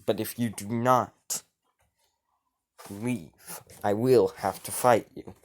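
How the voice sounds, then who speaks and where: A calm, honorable knight king, as a male storyteller puts him on, with slow, measured, formal speech. His pace is unhurried throughout. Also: lowish voice. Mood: calmly formal.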